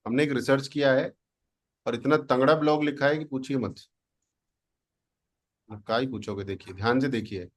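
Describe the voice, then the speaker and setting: A man's voice: medium pitch, normal speed, long pauses. A man from India running an online class as a digital marketing coach, teasing and boastful, slipping English words into his Hindi. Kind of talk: live online class demo.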